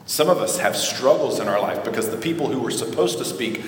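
Pastor preaching in an echoey hall. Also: male voice, medium pitch, lively intonation, a little fast. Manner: earnest with dry self-deprecating humor. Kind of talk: sermon. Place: church sanctuary. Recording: echoey hall recording with faint noise.

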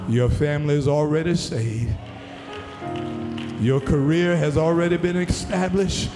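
A man with an African American accent preaches slowly and fervently in a big, echoing church hall. He stretches and repeats his phrases for emphasis, calling on the congregation to answer, while an instrument plays underneath. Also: a little high, steady tone. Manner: emphatic, repetitive preaching with drawn-out phrases and rises into shouts. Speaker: pastor preaching. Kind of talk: fervent church sermon with call and response. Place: large reverberant church hall. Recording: long hall reverb, music under the voice. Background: musical instrument playing under the preaching.

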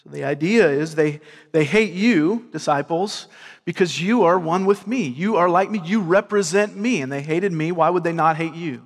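Earnest Southern preacher in a reverberant hall. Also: male voice, on the high side, normal speed. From grew up in California and Georgia. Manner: earnest, repeats words, asks the crowd "right?". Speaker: pastor. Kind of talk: sermon.

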